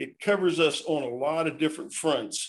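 A man's fairly high-pitched voice at a moderate pace, a normal speaking voice. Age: 60s. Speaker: construction business owner. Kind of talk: interview.

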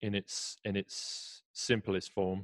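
A man with an Essex accent speaks at a fairly low pitch. The sound is dry and close with no echo, on a very clean recording with a silent background. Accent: southern English (Essex). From Essex, England. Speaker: podcast production consultant. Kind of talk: casual interview chat.

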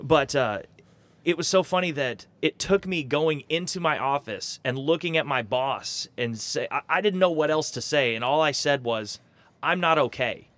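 With a plain, everyday voice, a man talks at a moderate pace in a fairly high pitch with ordinary pitch variation. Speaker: podcast co-host. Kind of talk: casual podcast conversation.

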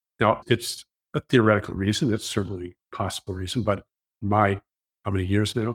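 Recorded very cleanly with a silent background and a dry, close sound free of echo, a man speaks at a fairly low pitch and moderate pace, somewhat breathy, with fairly even intonation. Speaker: economist. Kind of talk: interview answers, explanatory. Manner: explanatory, opinionated.

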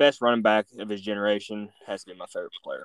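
Speaking very fast, a man has a Southern US accent. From North Alabama. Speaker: sports podcast co-host. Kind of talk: casual chat.

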